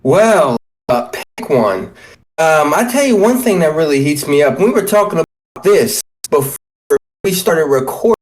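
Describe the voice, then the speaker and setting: High-voiced male podcast co-host, profane and heated, casual chat. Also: big pitch swings, normal speed.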